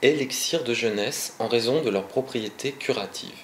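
A man with a plain, everyday voice speaks at medium pitch and a moderate pace, his intonation lively. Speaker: amateur lecturer. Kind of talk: read-aloud lecture.

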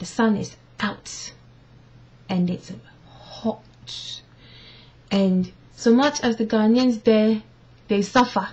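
A somewhat breathy woman talks at a very slow pace with long, frequent pauses. Her intonation is fairly even, with light background noise. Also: fairly high pitch for a woman. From London, England (childhood partly in Ghana). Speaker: YouTube vlogger. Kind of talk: casual vlog, Q&A tag video. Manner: code-switching between English and Fante. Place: home room. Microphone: webcam.

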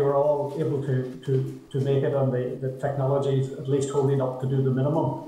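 Room echo can be heard around the voice. A man talks at a moderate speed. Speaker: witness. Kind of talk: formal briefing to committee. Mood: hesitant, apologetic at start. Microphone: video call.

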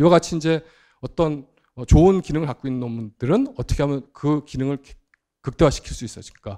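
Talking at a fairly quick pace over a quiet background, a man shows ordinary pitch variation and big swings in loudness. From Gangwon Province, Korea (Yangyang); Gangwon Province, Korea. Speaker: engineering professor; guest professor lecturer. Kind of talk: lecture. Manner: frequent fillers, hesitant. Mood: warm, reminiscing. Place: hall. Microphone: handheld.

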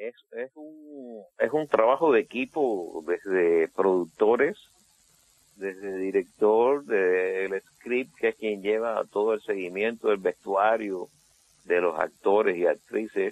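With a Cuban accent, a man speaks very slowly at a fairly low pitch with ordinary pitch variation, the sound dry and close with no echo. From Cuba, Camagüey. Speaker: video and broadcast engineer. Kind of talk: radio interview. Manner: halting, hesitant.

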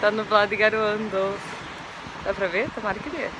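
A woman speaks over noticeable background noise. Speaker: travel vlogger. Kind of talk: casual vlog. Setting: outdoors. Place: street. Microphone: phone near.

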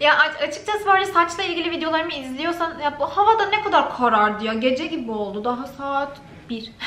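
Audible room echo surrounds a woman who speaks at a fairly quick pace in a high voice with very wide pitch swings. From Turkey, Bursa; Turkey. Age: 20s. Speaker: beauty and lifestyle youtuber; lifestyle youtuber. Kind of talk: casual Q&A vlog. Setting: home, on a couch. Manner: fast. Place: home room.

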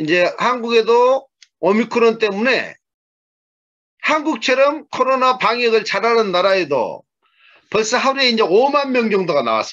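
Against a quiet background, a man speaks at an extremely high pitch and a moderate pace. His intonation is lively while his loudness stays very even. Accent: Korean. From Korea. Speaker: business leader giving a vision lecture; motivational speaker. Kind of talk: lecture. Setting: video call. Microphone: video call.

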